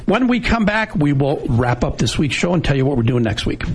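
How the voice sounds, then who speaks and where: A man hosting a Christian talk radio show, with a gravelly voice and an earnest, preachy way of exhorting his listeners. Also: on the high side, big pitch swings, brisk, background noise.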